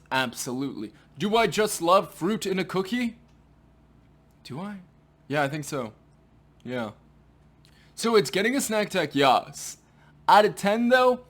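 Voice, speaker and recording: A man with a fairly high voice chatting through a snack review. He talks casually and animatedly, drifting into playful asides. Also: a bit bright. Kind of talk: casual food review vlog.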